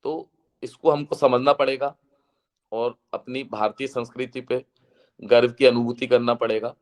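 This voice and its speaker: A man speaks to a seated audience in an earnest, preaching tone. His voice is slightly hoarse, and he slows to a measured chant for recited verses. His pitch sits in an ordinary middle range. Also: fairly even intonation. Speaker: guest speaker. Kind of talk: devotional lecture to a seated audience.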